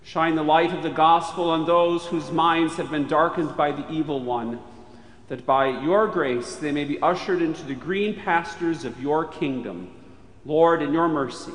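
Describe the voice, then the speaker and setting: A man leading formal church prayer with solemn, measured phrasing in a reverberant chapel. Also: fairly high pitch. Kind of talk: formal spoken liturgical prayer. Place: large chapel. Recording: echoey chapel with long reverb.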